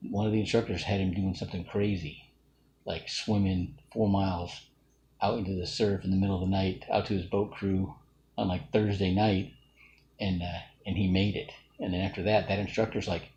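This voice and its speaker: A man's voice: deep voice, flat delivery, normal speed, a little mellow, a little hiss or hum. A middle-aged man from Alabama, talking through a casual, rambling self-reflective monologue full of fillers and restarts. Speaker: vlogger.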